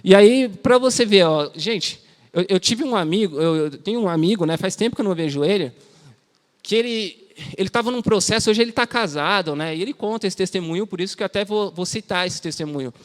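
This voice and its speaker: A Brazilian lay preacher gives an informal sermon in a church hall, telling stories in a conversational, slangy style. His voice sits high and moves fairly quickly, with a long church-hall reverb around it.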